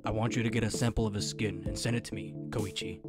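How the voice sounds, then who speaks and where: A man voicing a stern, reserved mentor in a comic fan dub, measured, terse and serious. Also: lowish voice, fairly even intonation, over loud music, natural voice. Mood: serious, guarded. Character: stern, reserved adult male mentor giving a mission.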